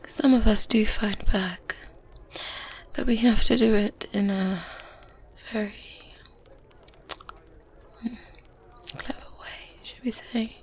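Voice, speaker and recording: A woman playing a kindly, wise older witch in a softly spoken, whispered ASMR roleplay, with gentle, pensive pauses. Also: a little high, steady tone. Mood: pensive, secretive. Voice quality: soft, breathy, mostly whispered. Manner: unhurried, gentle, pensive, with murmured hums and pauses. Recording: faint ambient noise bed. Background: medieval ambience sounds.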